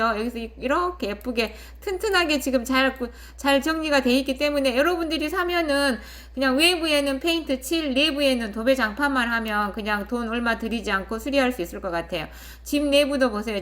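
Woman with a highish voice explaining casually. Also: fairly bright tone. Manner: conversational, often seeks agreement from viewers. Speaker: host of a rural real-estate channel. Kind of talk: casual explanatory narration of property listing and photos.

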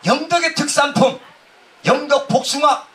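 A man doing loud, brash stage comedy outdoors, heckling the crowd through a handheld mic. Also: very high voice, moderate pace. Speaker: pumba street performer. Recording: distant outdoor PA with noise.

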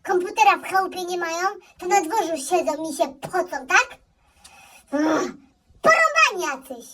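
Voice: very high voice, expressive, moderate pace, far from the mic, heavy background noise. A performer playing a spoiled teenage boy in a comedy sketch who bosses his mother around and answers rudely. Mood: bossy. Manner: dismissive, bossy, crude. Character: spoiled rude teenage boy gamer, dismissive and bossy. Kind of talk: comedy sketch role-play.

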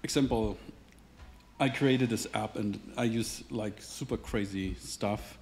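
A man's voice: on the low side, slow, vocal fry, a little mellow, slight background noise. A man answering audience questions at a tech meetup, hesitant, with many restarts and hedges. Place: meetup venue, indoors, standing at a lectern.

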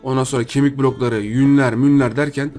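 Young Turkish man, casual let's-play commentary, mid pitch, chatty, faint background music. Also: steady tone, brisk, darkish tone. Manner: chatty, addresses viewers as friends, thinks aloud while playing. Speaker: gaming YouTuber.

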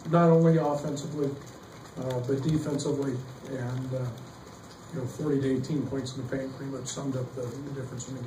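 A middle-aged man, a basketball coach, answering questions at a postgame press conference, halting with many fillers and restarts. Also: medium pitch. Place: press room behind a table. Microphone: table mic, heard from some distance. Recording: echoey room, distant mic, faint noise.

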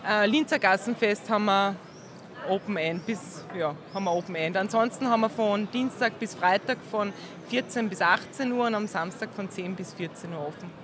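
A woman's voice: mid-range voice, normal speed. A woman answering interview questions casually at an outdoor festival. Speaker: gallery member. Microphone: handheld mic. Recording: crowd noise behind.

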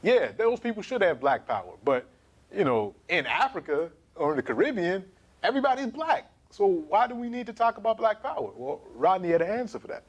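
A man in his thirties giving an emphatic, animated history lecture to camera in a small studio. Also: sits high, fairly quick, dull audio. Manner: animated, emphatic, gesturing while pacing.

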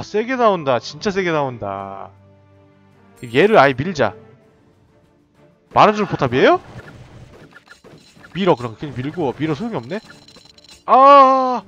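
A man giving excited, running commentary while playing a tower defense game, often laughing and reacting out loud. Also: fairly high pitch, lo-fi sound. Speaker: game streamer. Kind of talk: live gameplay commentary.

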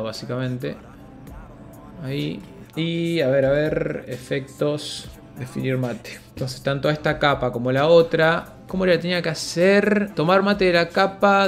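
A man's voice: mid-range voice, gravelly. A young man with an Argentine accent talking through an animation tutorial in a casual, slangy, think-aloud way. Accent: Argentine Spanish. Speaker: video editing tutor. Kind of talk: screen-recorded software tutorial.

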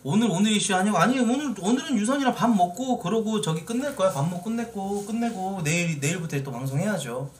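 Man, 30s, live-stream host, chatty and teasing; lively delivery, light background noise. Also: sits high, fast, hardly any pauses. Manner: talkative, teasing, addresses viewers directly. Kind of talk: casual live-stream chat with viewers. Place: indoor streaming room, seated in office chair.

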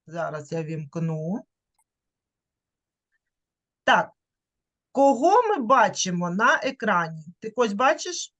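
A woman's voice: mid-range voice, very animated, takes it slowly, pauses often, a bit bright. A woman giving an online literacy lesson to a young child over a video call. She draws out the vowel sounds to demonstrate them and coaxes the child along with patient questions. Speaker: teacher.

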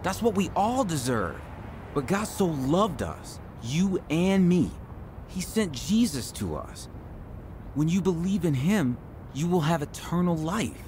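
An actor playing a compassionate, patient Christian friend, exhorting earnestly in a radio drama. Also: male voice, on the high side, very animated, unhurried, darkish tone, a little hiss or hum. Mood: earnest, consoling. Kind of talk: radio drama acting, reciting scripture.

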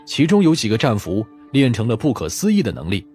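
A man's voice: mid-range voice, huge pitch swings, a little fast, darkish tone, breathy edge. A man narrating a scripted crime audiobook. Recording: music playing behind the voice. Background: background music.

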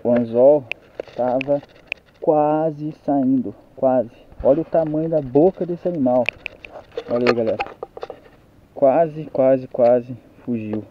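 A young man with a Brazilian Portuguese accent, out of breath, talking excitedly to viewers as he lands a fish on a riverbank. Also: medium pitch, slow pace, phone-quality sound, slight background noise. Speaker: fishing vlogger. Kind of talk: excited outdoor fishing commentary. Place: outdoors on a riverbank. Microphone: handheld camera mic.

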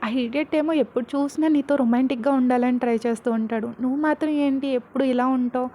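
A young girlfriend teases her friend in an upbeat way, as a woman reads her part. The voice is high and lively, with a faint hiss. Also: fast talker, natural voice. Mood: teasing. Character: teasing young female friend.

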